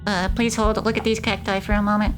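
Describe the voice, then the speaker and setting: A woman's voice: medium pitch, little pitch movement, fast talker. A woman streaming a game, casually commenting and reading on-screen poems aloud. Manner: reads in-game poems aloud, chats to chat. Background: game music and insect sounds.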